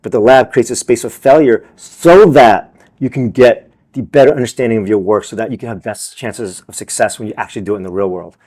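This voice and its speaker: A man at a middle pitch answers interview questions with earnest energy. He circles back, repeats words and fills gaps with "you know" as he builds each point. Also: a little fast, darkish tone. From Vietnam, raised in America. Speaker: film director and teacher, interview guest.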